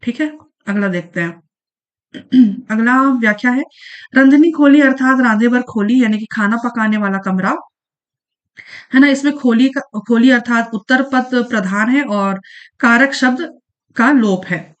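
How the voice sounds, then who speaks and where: A woman walks students through exam questions in a relaxed, repetitive way. She keeps coming back to fillers and reminders to remember each answer. Her voice sits a little high. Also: unhurried, lo-fi sound. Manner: repeats points, frequent fillers and "ठीक है, याद रखिएगा". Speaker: exam prep teacher. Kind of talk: casual explanatory lesson.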